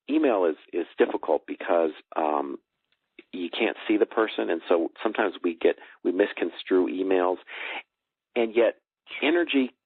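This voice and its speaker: Deep voiced guy being interviewed over the phone, halting earnest explaining, echoey tinny sound. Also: breathy edge. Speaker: interview guest, energy healer. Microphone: telephone. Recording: tinny phone line, roomy echo.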